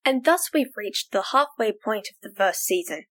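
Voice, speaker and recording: A woman's voice: medium pitch, expressive, moderate pace, fairly bright tone. A woman reading a scripted end-credits announcement for an audio drama.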